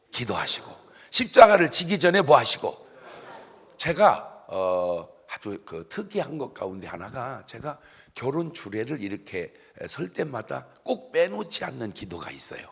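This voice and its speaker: A man's voice: mid-range voice, sing-song, moderate pace, gravelly, breathy edge. A middle-aged male pastor preaching a sermon, with humour, who keeps quizzing the congregation and having them answer together. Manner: call-and-response questions to the congregation, humorous. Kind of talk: sermon at a dawn revival service. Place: church sanctuary. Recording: echoey church hall.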